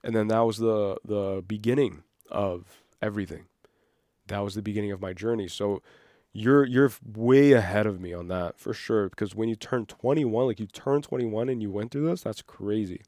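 A man's voice: fairly low pitch, moderate pace, mellow, no echo, clean studio sound. A man in his twenties hosting an unscripted podcast, talking in a rambling, reflective way with frequent fillers. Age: 20s. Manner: rambling and reflective, heavy use of "like". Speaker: podcast host.

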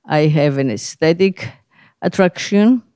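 A woman's voice: sits low, unhurried, mellow, slight background noise. A middle-aged woman from Greece, whose first language is Greek, talking casually as a podcast host, rambling with many fillers and frequent laughs. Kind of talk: casual conversation.

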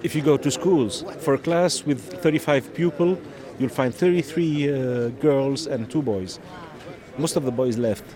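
Sixties man from Tunisia, earnest and halting English, crowded street behind him. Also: mid-range voice. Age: 60s. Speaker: interviewee. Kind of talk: field interview. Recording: outdoor field recording with crowd noise.

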